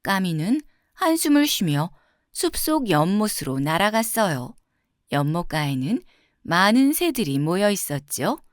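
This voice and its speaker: A woman storyteller narrating a children's fairy tale from a script, with expressive, carefully phrased delivery. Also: medium pitch, dry recording, clean studio sound.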